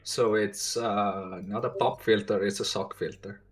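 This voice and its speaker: Man with a lower voice, playful questioner on a group stream call. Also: fairly even intonation, measured pace, crowd noise. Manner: teasing, curious. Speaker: stream co-host reading chat. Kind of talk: casual chat.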